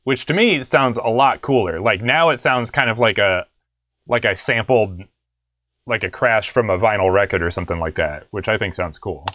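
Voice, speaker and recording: Here a young adult man walks through music production in a casual screen-share tutorial from his small home studio. His lowish voice has a sharp edge and a moderate pace, and his explanations stay relaxed and conversational.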